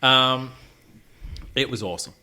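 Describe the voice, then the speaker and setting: Guy podcast cohost just chatting about gigs, pretty bright forceful voice. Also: medium pitch, measured pace. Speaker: podcast co-host. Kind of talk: casual chat about gigs.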